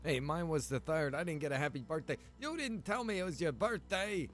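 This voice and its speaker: A man's voice: fairly high pitch, lively intonation, a little fast, fairly bright tone. A man streaming a game, chatting casually and rambling as he thinks aloud. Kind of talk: casual livestream gameplay chat.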